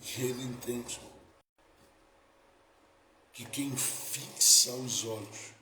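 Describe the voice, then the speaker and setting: A male pastor preaching a sermon, moving between soft lines and loud, dramatic ones. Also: mid-range voice, fairly even intonation, drawn-out words, slight background noise. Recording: echoey room with faint ambience.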